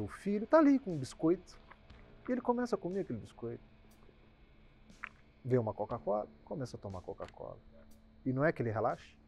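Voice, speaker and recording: Animated husky Brazilian man explaining. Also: medium pitch. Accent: Brazilian Portuguese. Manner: emphatic, swinging from loud bursts to quiet trailing ends. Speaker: doctor giving a talk. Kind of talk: explanatory talk to camera.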